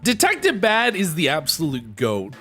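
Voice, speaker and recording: Animated game streamer over background music. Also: medium pitch, moderate pace, breathy edge. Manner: excitable, animated reactions. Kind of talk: video game let's play, reading dialogue aloud and reacting.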